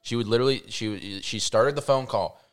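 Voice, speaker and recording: A man's voice: medium pitch, fairly quick. A young man chatting casually on a podcast, telling a story with lots of fillers. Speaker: podcast co-host. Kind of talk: casual chat.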